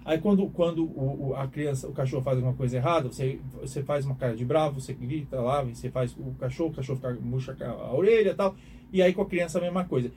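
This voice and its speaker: A man's voice: medium pitch, fast talker, mellow, a little hiss or hum. A man teaching communication, emphatic, asking questions and repeating himself as he lectures. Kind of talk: lecture to an online audience.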